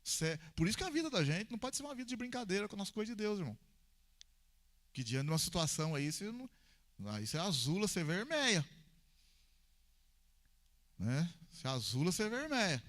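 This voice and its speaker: High-pitched Brazilian pastor preaching. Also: male voice, fairly quick, long pauses. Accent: Brazilian Portuguese. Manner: storytelling with acted dialogue, swings between calm and loud. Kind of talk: sermon.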